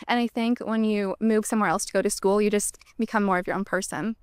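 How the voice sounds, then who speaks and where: A woman's voice: mid-range voice, fairly even intonation, quick pace, smooth, no echo, studio quality. A woman in her twenties, a university student, speaking in an upbeat, confident way. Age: 20s.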